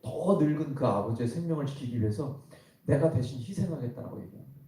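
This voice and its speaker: Guy preaching a sermon, warm low-key voice, big echoey church sound. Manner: conversational preaching with rhetorical questions to the congregation. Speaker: pastor. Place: church worship hall. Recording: very echoey hall, voice from some distance.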